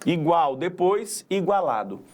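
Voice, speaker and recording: Brazilian guy teaching a recorded class, kinda high voice, explains step by step, keeps saying right?. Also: very animated, slow pace. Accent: Brazilian Portuguese. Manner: explanatory, with frequent tag questions.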